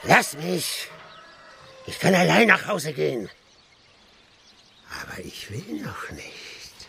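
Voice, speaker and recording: An actor playing a drunken, mocking, lecherous village squire and colonel in a German radio play. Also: male voice, fairly high pitch, huge pitch swings, slow, creaky, breathy edge, heavily acted. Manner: sneering, swaggering, swinging from murmurs to shouts.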